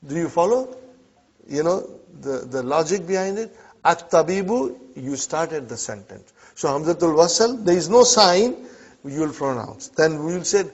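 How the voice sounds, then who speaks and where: A male Arabic teacher gives a classroom grammar lesson in a slightly high voice, often checking in with "huh?" and "brothers and sisters." The classroom recording is dull and lo-fi.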